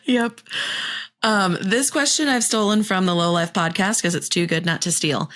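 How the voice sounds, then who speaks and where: A woman's voice: medium pitch, normal speed, a bit bright. A woman hosting a podcast in casual chat, frank and playful and swearing freely. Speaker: podcast host.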